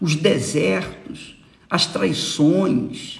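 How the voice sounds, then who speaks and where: A man speaks with very wide pitch swings. Audible room echo and noticeable background noise surround his voice. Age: 70s. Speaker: preacher. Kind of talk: sermon.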